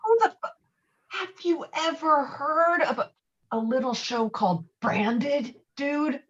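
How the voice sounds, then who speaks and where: A woman's voice: sits high, lively intonation, slow pace, a bit bright, highs cut off, exaggerated voice. A woman playing a brash, foul-mouthed, domineering man in a script table read, talking in a blustering, insistent way. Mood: exasperated, forceful. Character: brash, foul-mouthed, domineering male friend named Walter. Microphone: video call.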